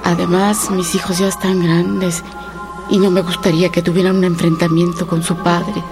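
A woman's voice: on the low side, little pitch movement, moderate pace, music in the background, close to an everyday voice. An actress playing a fretful, plain-spoken middle-aged rural Mexican mother in a radio play. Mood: troubled, fearful. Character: worried rural mother of grown children, threatened. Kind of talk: radio theatre monologue.

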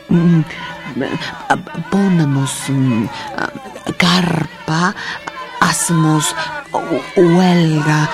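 An actress playing a displaced woman in a radio drama, recounting hardship in broken, with halting fragments and repeated words. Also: sits low, full character voice. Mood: earnest, determined. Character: sad, displaced woman haltingly recounting losing her home.

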